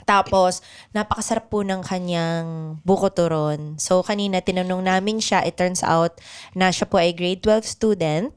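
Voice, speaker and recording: A woman's voice: fairly low pitch, steady tone, moderate pace, clear, resonant tone. A woman with a Filipino accent chatting casually as a podcast host, switching between two languages. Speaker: podcast host and improv performer. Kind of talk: casual podcast chat mixing Tagalog and English.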